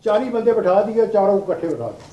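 Older Pakistani man lecturing, high-pitched voice. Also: sing-song, fast talker, dark tone. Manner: explanatory, repetitive, step-by-step, mixing in English legal terms. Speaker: law lecturer, retired judge. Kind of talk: classroom lecture. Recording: roomy, dull classroom recording with background noise.

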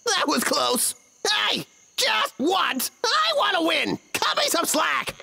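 Gravelly, mocking cartoon villain hunter, high, slow and drawling. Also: male voice, wildly swooping pitch, bright, forceful tone, faint music behind, exaggerated voice. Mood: taunting. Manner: taunting, sneering. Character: scheming gravelly logger hunter, stubborn and mocking. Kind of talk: English cartoon dub.

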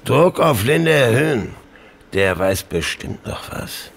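Man acting a gruff, gravelly police detective. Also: mid-range voice, big pitch swings, slow, full character voice. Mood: grimly decisive. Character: harried, frustrated male police detective in charge. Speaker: voice actor in an audio drama. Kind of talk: German audio drama acting.

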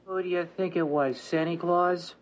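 A man's voice: fairly high pitch, steady tone, normal speed, lightly acted, poor audio. Guy doing jumpy little crook henchman, slangy tough talk, old radio gangster show. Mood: defiant. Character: small-time male gangster henchman, jumpy and defiant. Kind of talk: 1930s radio gangster acting.

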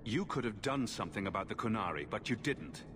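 Man playing an expressive heroic adventurer. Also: on the low side, brisk, background noise, lightly acted. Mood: firm. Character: direct, questioning heroic fantasy adventurer man. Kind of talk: video game voice acting. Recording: game music underneath.

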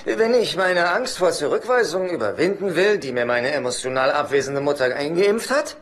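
An actor playing a neurotic, self-pitying middle-aged brother in a dubbed sitcom, wordy and whiny. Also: male voice, on the high side, animated, normal speed, a bit bright. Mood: rueful.

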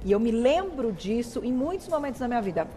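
Chatty Brazilian woman, higher voice. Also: sing-song, brisk, a little hiss or hum. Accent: Brazilian Portuguese. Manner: warm, chatty, emotional storytelling. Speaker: TV show host. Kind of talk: TV talk show chat.

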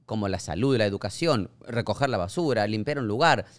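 A man's voice: fairly low pitch, a little fast. A man from Argentina with an Argentine accent, a guest chatting on a podcast and acting out quoted voices as he tells stories. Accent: Argentine Spanish. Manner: expressive, acts out quoted voices. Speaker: actor guest. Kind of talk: casual podcast chat. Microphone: studio podcast mic.

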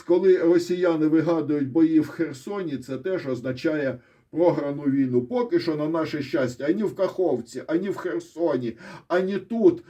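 A man's voice: on the high side, mellow. A man with a Ukrainian accent giving blunt, sarcastic solo commentary on a war, swearing freely and breaking into pointing asides. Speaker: military-political commentator. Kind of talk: casual solo commentary with map.

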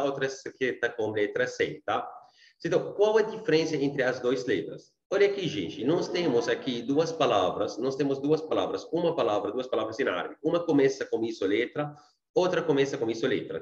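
A man with an Arabic accent teaches an online beginners' class at an even, middle pitch. He repeats phrases and keeps checking in with his students. The sound is dull and a little roomy. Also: normal speed. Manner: repeats himself, checks in often with tá and gente. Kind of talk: online language lesson.

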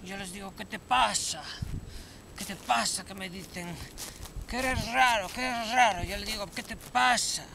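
Man playing a slow, high-voiced, gravelly paranoid misfit, self-pitying and rambling, on a noisy outdoor track. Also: bright, forceful tone, heavily acted. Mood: hurt.

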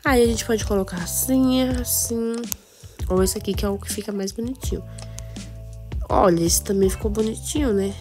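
A woman with a Brazilian accent and a cold, hoarse, chatting casually to viewers through a game walkthrough. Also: mid-range voice, moderate pace, pauses often, a little mellow, faint music behind. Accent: Brazilian Portuguese. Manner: chatty, addresses viewers as "amores". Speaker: gameplay video host.

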